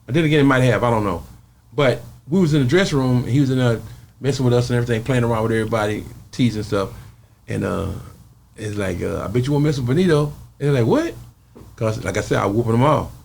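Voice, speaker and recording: A man's voice: medium pitch, fast talker, gravelly, darkish tone, a little hiss or hum. A man from the American South with a Southern Black accent, telling a story casually and colloquially, acting out what people said. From Southern US, Arkansas. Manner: acts out quoted speech, colloquial. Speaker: interview guest.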